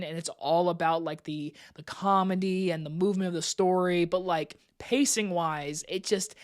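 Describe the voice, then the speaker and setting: Stuffy-voiced woman reviewing a movie. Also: fairly low pitch. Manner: rambling and chatty, with many "like" fillers. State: stuffy, congested voice from allergies. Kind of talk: casual spoken movie review.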